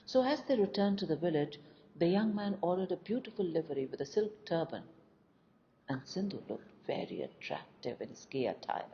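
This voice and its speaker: Low-voiced woman reading a folk tale expressively. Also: sing-song, normal speed. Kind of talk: scripted audio story narration. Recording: dull lo-fi recording with faint noise.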